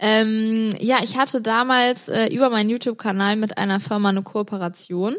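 With hardly any pauses, a woman talks at a moderate pace in a fairly high pitch and an animated tone. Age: 20s. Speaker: YouTuber and podcast co-host. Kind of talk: casual chat. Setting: studio.

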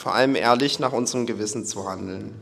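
The man speaks with lively intonation. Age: 20s. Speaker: climate activist and press spokesman. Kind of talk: panel discussion.

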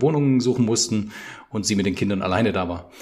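A man with a plain, everyday voice, medium in pitch, at a fairly quick pace with ordinary pitch variation. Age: 30s. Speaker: fathers' coach. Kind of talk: casual interview.

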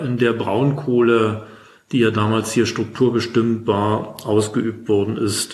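A man at medium pitch speaks with monotone, flat intonation. Audible room echo and noticeable background noise fill the recording. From Brandenburg, Lusatia. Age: 50s. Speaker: district administrator and politician. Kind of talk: interview. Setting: office. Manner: hesitant with frequent fillers; formal.

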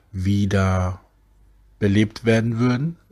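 The voice belongs to a man. His pitch rises and falls in an ordinary way. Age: 40s. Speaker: listener sending voice message. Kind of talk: voice message.

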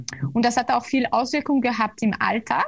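A somewhat breathy woman with ordinary pitch variation, against a quiet background. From Belgium. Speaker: yoga teacher. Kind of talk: interview. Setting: studio.

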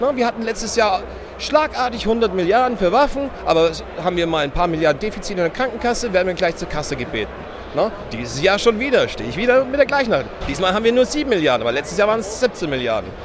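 A man with a high pitch for a man talks at a very fast pace in an animated tone, his pitch swinging very widely over noticeable background noise. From Franconia, Bavaria (Pottenstein). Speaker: trade fair exhibitor. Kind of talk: street interview. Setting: trade fair floor.

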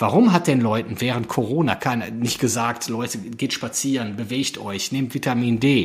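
Hardly pausing at all, a man with a somewhat breathy, medium-pitched voice is heard in a very clean recording with a silent background. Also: ordinary pitch variation, moderate pace. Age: 40s. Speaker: podcast host, entrepreneur and father. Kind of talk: personal monologue. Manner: casual, with fillers and self-corrections.

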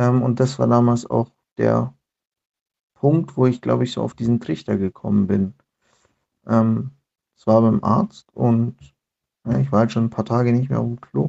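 At a fairly slow pace, a man of medium pitch speaks with ordinary pitch variation and long, frequent pauses. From southern Germany. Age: 20s. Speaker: podcast guest. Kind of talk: interview answers.

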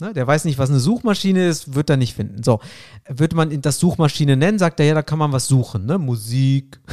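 With a dark, mellow tone and a fairly high pitch, a man talks at a fairly quick pace with lively intonation on a very clean recording with a silent background. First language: not German (speaking German). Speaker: podcast co-host. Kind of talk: casual chat.

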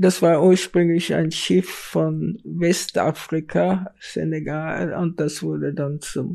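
A woman speaks at a very slow pace in a dark, mellow tone. Her pitch is very deep and low, and the background is quiet. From Austria. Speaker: Holocaust survivor. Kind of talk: oral history interview.

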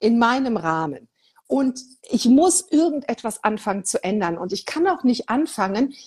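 A woman speaks at a moderate pace in a somewhat breathy voice, fairly high in pitch, with very wide pitch swings. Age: 50s. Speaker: early childhood attachment advocate. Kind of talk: casual chat.

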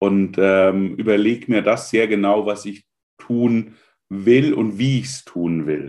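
Against a quiet background, a man speaks at a very slow pace. His pitch is fairly low, with ordinary variation. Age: 40s. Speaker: leadership coach. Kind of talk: interview. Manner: hesitant fillers.

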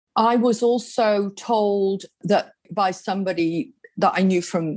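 A woman speaks with an English accent. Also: quiet background. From England. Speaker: bank executive and mentor. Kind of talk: interview.

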